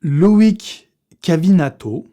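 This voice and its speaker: A man's voice: a little high, lively intonation, extremely slow, dark tone. Slangy, chatty young man. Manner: slangy, swearing, chatty, laughs often. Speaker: fitness youtuber running a giveaway draw. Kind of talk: casual vlog talk to camera.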